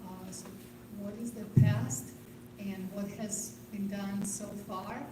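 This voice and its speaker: Even-toned woman moderating in an echoey room. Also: medium pitch, slow. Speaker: panel moderator. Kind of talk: moderating a panel. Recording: echoey, noisy conference room, distant mic.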